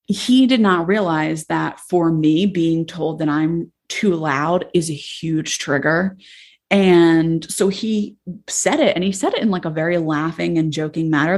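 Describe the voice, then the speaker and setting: A woman therapist hosting a podcast, talking casually and passionately, with a voice that carries loudly. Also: lowish voice, gravelly.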